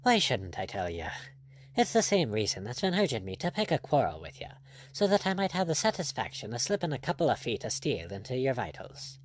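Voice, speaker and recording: A man's voice: mid-range voice, wildly swooping pitch, brisk. A man voicing a gallant, ironic pirate captain in an audiobook, teasing and courtly in manner. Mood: earnest, wistful.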